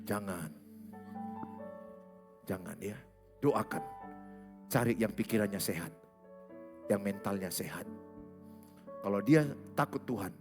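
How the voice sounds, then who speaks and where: A man preaching a sermon, jumping between loud, high exclamations and soft, low asides in short punchy phrases. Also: slow, long pauses. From Indonesia. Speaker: pastor. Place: large church hall. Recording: reverberant church hall with faint music.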